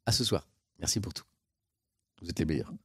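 A man's voice: low-pitched, expressive, brisk, husky, dry recording, studio quality. A man, a live streamer chatting casually, given to theatrical mock exasperation and swearing.

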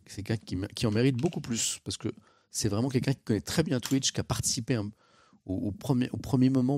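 A male streamer chats casually with his viewers. He bursts into exaggerated, theatrical frustration. His somewhat low voice sounds dry and close. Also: darkish tone, dry recording. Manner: theatrical mock exasperation, swearing. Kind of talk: casual live-stream chat.

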